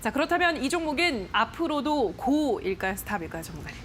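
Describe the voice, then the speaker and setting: This stock show host talks fast in a high, very animated voice, with slight background noise. In a TV studio she questions an expert and reads viewer posts aloud with playful voices, bright and chatty in a broadcast manner.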